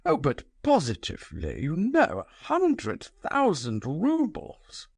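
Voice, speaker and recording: A man doing an anxious old general from a storybook, fretting in a hushed, husky voice. He speaks slowly, with his pitch swinging widely. The sound is dry and close. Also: huge pitch swings, no room sound, exaggerated voice. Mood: fretful. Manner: hushed, fretful. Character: nervous older general, anxious and whispering.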